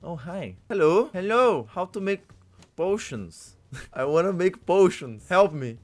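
Wizard student played by a man, broken English, excitable, bouncy pitch. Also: takes it slowly. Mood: excited.

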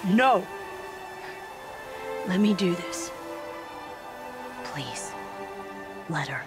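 An actress playing a proud, stubborn young tribal hunter in a video game, speaking tersely and solemnly. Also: female voice, fairly low pitch, unhurried, close to an everyday voice. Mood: strained, resolute. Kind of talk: dramatic video game acting. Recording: loud music behind. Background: game score music.

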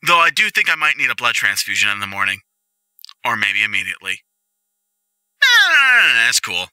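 Casting: male actor as goofy, reckless young jock boyfriend for roleplay audio, eager rambler, very bright, hugely animated delivery. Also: lowish voice, fairly quick, smooth, no echo, exaggerated voice, poor audio. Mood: upbeat, reassuring.

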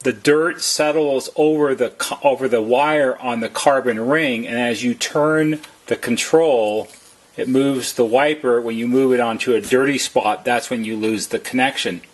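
Man, medium pitch, husky tone, instructional how-to narration, methodical, plain-spoken tradesman delivery. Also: unhurried. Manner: plain, methodical, step-by-step explaining. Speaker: service technician giving a tutorial.

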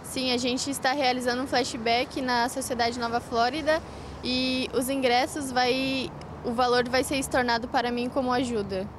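A woman's voice: high voice, fairly even intonation, normal speed, noisy background. A sixteen-year-old girl with a Southern Brazilian accent, answering an outdoor interview into a handheld mic, earnest and a little hesitant. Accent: Southern Brazilian Portuguese. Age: teenager, 16. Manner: earnest, slightly hesitant with fillers. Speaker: interviewee, karate athlete. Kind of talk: street interview. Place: outdoors by a street. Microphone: handheld reporter mic.

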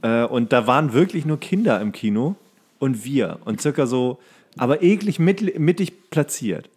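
A man's voice: medium pitch, very animated, normal speed, darkish tone, husky. A man co-hosting a podcast, chatting casually with anecdotes and questions. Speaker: podcast co-host.

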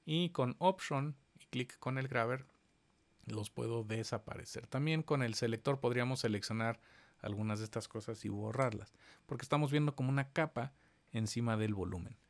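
A man, giving a step-by-step screen-recorded software lesson and talking straight to his viewers. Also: medium pitch, moderate pace. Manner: explains step by step, addressing viewers directly. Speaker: instructor.

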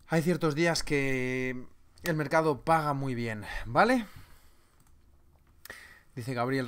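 This trading seminar host has a smooth, slightly bright mid-range voice. During his live webinar he calls out viewers' names and trades jokes with the chat.

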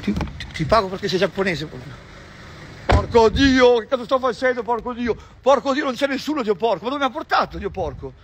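A man, vlogging outdoors on a city street, agitated and swearing constantly, repeating himself with bursts of shouting. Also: very high-pitched, expressive, fairly quick, a little hiss or hum. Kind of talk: ranting street vlog.

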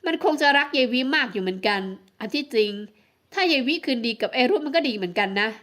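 A woman's voice: fairly high pitch, expressive, fast talker, a bit bright. A woman reading a romance audiobook, voicing a young man gossiping with a friend in blunt, slangy banter. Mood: musing. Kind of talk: audiobook romance novel acting.

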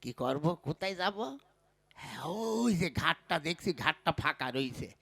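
Man voicing a bumbling village husband, puppet cartoon, high voice, loud and whiny. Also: expressive, moderate pace. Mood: groaning, panicked. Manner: loud calling, then groaning and whining. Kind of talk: puppet show voice acting.

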